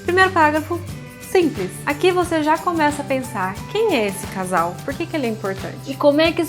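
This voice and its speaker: Faint music plays as a fairly high-voiced woman, host and author of a writing advice series, gives a lesson straight to the camera in a casual way. Her Brazilian Portuguese accent carries a pulled R, and her intonation is lively, the pace a little quick. She mixes teaching with passages read aloud from books.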